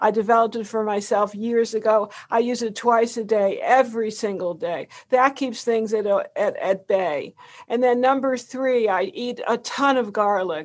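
This is an unremarkable speaking voice: a woman with an American accent speaks at a moderate pace, her fairly high pitch showing ordinary variation. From Connecticut, US New England. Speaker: nutritionist and author. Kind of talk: interview.

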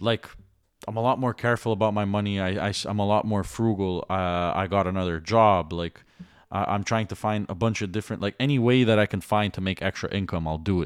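Recorded very cleanly on a silent background, a man with fairly low pitch and an ordinary speaking voice talks at a fairly quick pace with fairly even intonation. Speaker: podcast host.

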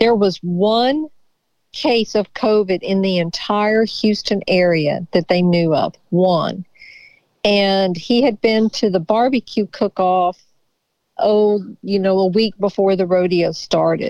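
A woman with a Texan accent speaks at a medium pitch and a very slow pace. Her loudness is very even, and her pitch varies in an ordinary way. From Texas Hill Country, Kerrville. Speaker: painter. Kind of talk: interview. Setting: remote interview from home.

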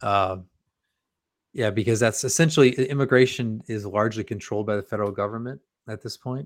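Speaking at a fairly quick pace with long, frequent pauses, a man with an American accent uses a medium pitch and ordinary pitch variation in a very clean recording with a silent background. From California. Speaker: author. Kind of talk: live interview.

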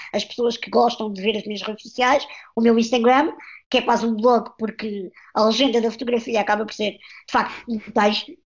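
A woman with a fairly high pitch speaks at a moderate pace. Her loudness swings widely. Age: 30s. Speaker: motivational speaker and author. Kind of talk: casual chat. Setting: video call. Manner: animated.

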